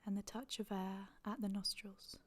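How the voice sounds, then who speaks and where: A woman leading a guided meditation in a soft, breathy, near-whispered voice, calm and gentle, with long pauses. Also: medium pitch. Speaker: yoga nidra meditation guide.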